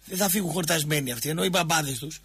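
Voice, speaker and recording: Man, Greek accent, radio talk host, heated rant, high voice, husky, repeats himself. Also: fairly bright tone. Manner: impassioned, repetitive, jabbing at a co-host.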